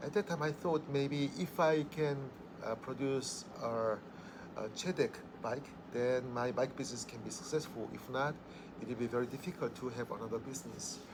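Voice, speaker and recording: A man with a Korean accent talks at a medium pitch with ordinary pitch variation. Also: moderate pace. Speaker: business owner. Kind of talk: interview. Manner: halting.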